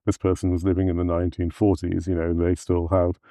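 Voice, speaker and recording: A man interviewing an author in a measured, thoughtful way, often saying "kind of". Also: low voice, completely flat delivery, mellow, dry recording, studio quality. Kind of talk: conversational interview.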